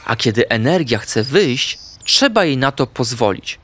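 Man doing a calm wise lady owl. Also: mid-range voice, unhurried, a little hiss or hum. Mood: soothing. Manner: calm, gentle, reassuring.

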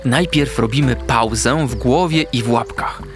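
A man voicing a wise, caring female owl who guides young animals, speaking in a soft, calm, soothing voice. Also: mid-range voice, normal speed, faint music behind, close to an everyday voice.

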